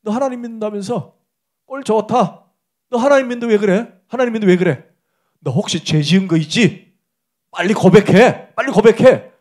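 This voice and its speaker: A man's voice: sits high, fairly quick, darkish tone, voice pushed up, natural voice. A pastor acting out mocking male friends who taunt a suffering man in a sermon. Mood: jeering. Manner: jeering, scolding.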